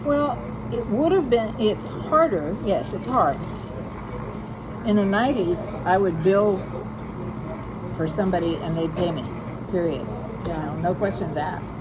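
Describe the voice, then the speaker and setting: A woman in her seventies answering interview questions casually and haltingly, thinking aloud as she goes. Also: medium pitch, animated. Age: 70s. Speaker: guest, psychologist. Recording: loud vehicle and outdoor background noise.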